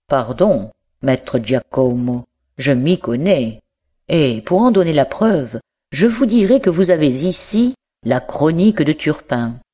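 An obsessive young gentleman scholar, voiced by an audiobook reader, courtly yet insistent, his voice lifting higher as he presses his demands. He speaks slowly and deliberately, as in a storybook reading. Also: very animated. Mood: courteous. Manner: courtly, insistent, rising to fervor. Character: young nobleman student, affable and obsessive.

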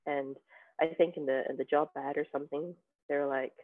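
Hesitant and full of ums and restarts, a podcast guest from New Zealand, who works as a software tester, talks through a casual interview. He has a high-ish voice with a level tone and moderate pace. His remote call comes through tinny and phone-like.

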